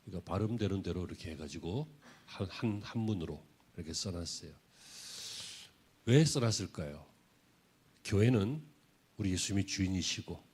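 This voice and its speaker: A middle-aged man preaching a Sunday sermon as pastor, moving from quiet conversational storytelling to loud, emphatic declarations. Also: fairly low pitch, slightly rough.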